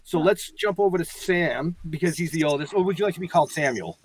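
A man's voice: on the high side, animated, slightly rough, dry recording. A man hosting a casual interview, gushing with praise and often restarting his sentences. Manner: effusive, halting with fillers and restarts. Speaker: podcast host.

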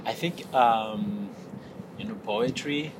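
Guy w a talking slow and thoughtful about translating poems, low voice, noisy bg. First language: Spanish. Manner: thoughtful, hesitant, with restarts. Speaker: poetry translator. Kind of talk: conversational interview answers.

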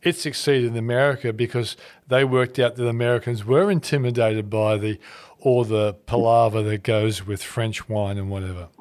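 Male podcast host, mid-pitched, relaxed. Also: moderate pace. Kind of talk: casual interview chat.

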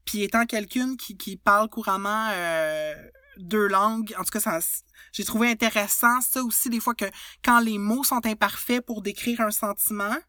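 A woman's voice: mid-range voice, moderate pace, pushed and bright, no echo, clean studio sound. A woman with a Quebec French accent co-hosting a podcast, talking thoughtfully with many hesitations and restarts. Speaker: podcast co-host. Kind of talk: reflective casual chat.

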